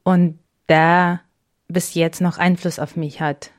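A woman's voice: lowish voice, little pitch movement, slow, dry recording, clean studio sound. A woman from Lviv in Ukraine, co-hosting a podcast, speaking thoughtfully and sometimes searching for words. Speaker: podcast co-host. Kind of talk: casual conversation.

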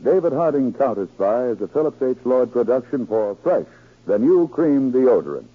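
Old radio announcer guy, dramatic and formal, bit husky, tinny 40s recording. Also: medium pitch, big pitch swings, normal speed, soft background music. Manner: formal, dramatic, emphatic salesmanship. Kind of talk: old radio announcer reading scripted promos. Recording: scratchy, narrow-band 1940s radio recording.

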